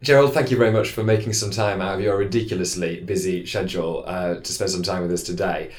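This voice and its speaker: A man's voice: low voice, steady tone, fast talker, a little hiss or hum. A man hosting an interview podcast, friendly and a little hesitant, with many fillers. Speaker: podcast host.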